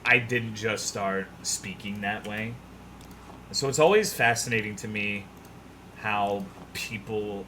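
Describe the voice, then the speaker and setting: A man chatting casually on a livestream, rambling and swearing in a self-deprecating, animated way. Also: low voice, background noise. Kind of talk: casual livestream chat, reading viewers' messages aloud.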